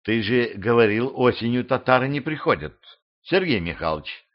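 A man's voice: medium pitch, very animated, normal speed, natural voice. A man reading the lines of a tough, blunt young woman archer in an audiobook, in his own plain voice. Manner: blunt, demanding. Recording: slightly dull lo-fi audio.

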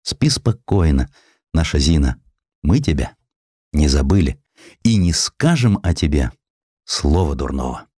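A man's voice: a bass voice, sing-song, unhurried, pauses often, warm tone, husky, dry recording. A man narrating a historical audiobook in a dramatic, theatrical storytelling manner.

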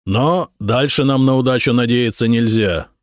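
A man's voice: medium pitch, normal speed, dry recording, studio quality, voice pushed up, close to an everyday voice. A man voicing a decisive, businesslike male gang leader in an audiobook, talking matter-of-factly.

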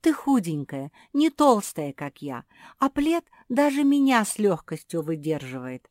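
A woman voicing a gentle, motherly black female pug who speaks in a tender, coaxing way. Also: mid-range voice, big pitch swings, a little slow, dry recording, clean studio sound, voice pushed up.

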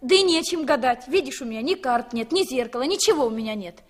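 High-voiced, coaxing Gypsy mother. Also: animated, fast. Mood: reluctant, coaxing. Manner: sing-song, exclamatory, repeats words and endearments. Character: talkative young Gypsy mother, coaxing, fussy, folksy. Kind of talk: 1960s Soviet radio play acting.

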